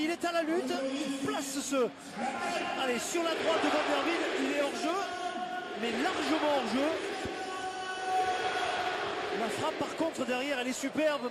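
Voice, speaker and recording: An excited man analyses football replays as co-commentator, pitched very high. He is emphatic and repeats words as he goes. Heavy stadium noise sits behind his sports commentary. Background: loud stadium ambience.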